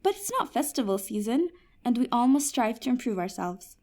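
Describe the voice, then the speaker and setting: A woman's voice: on the high side, big pitch swings, brisk, darkish tone. A woman playing a patient, wry genie who runs a magical help desk in a fantasy comedy audio drama, sounding professional. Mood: patient, businesslike. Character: patient, helpful female genie working magic support desk.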